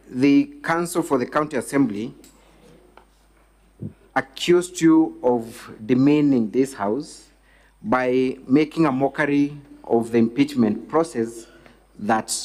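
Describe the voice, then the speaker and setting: A man with a Kenyan accent questioning a witness as counsel, formal, courteous and deliberate, phrase by phrase. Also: mid-range voice, a little mellow. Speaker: defence lawyer questioning a witness. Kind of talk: formal legal examination.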